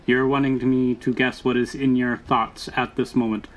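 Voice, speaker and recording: A man voicing a loyal, literal-minded robot bodyguard in a tabletop roleplay, speaking in stilted, halting, formal phrases. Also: mid-range voice, flat delivery, close to an everyday voice, poor audio. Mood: analytical, dry.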